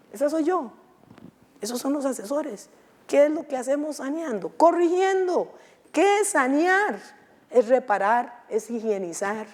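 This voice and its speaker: A woman giving a conference lecture to students, often asking the audience questions. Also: on the high side. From Costa Rica. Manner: lively, questioning the audience with frequent tag questions. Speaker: legal advisory coordinator giving a talk. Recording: long hall reverb.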